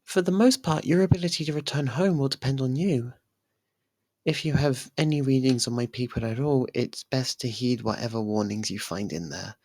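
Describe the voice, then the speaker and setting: A performer lightly acts a young faerie royal, lovestruck and possessive, in an intimate ASMR roleplay. At medium pitch, the voice is soft and halting, tender, clingy, and protective.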